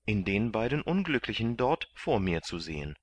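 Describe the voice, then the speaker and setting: A man voicing an earnest, excitable young hero who pleads eagerly in a raised voice in a storybook reading. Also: fairly low pitch, normal speed, husky, no echo, voice pushed up. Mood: eager, excited.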